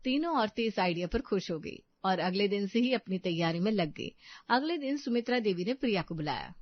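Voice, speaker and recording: A woman narrating a cartoon story in an even, storybook manner. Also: mid-range voice, brisk, no echo. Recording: dull dry studio audio.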